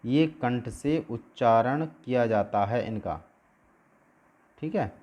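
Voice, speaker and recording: Speaking steadily in a medium-pitched, mid-range voice, a man teaches at a board. He asks his listeners questions and then answers them, drawing out individual sounds slowly to show how each is pronounced.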